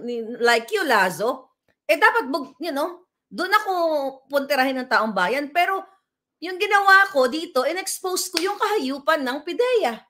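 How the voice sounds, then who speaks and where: A woman's voice: high-pitched, pushed and bright. A woman, vlogging from home in a combative, scornful political rant that mixes in English.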